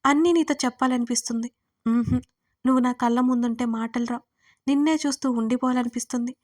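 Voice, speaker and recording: A woman voicing a young college student who is deeply in love, soft and dreamy. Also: lightly acted.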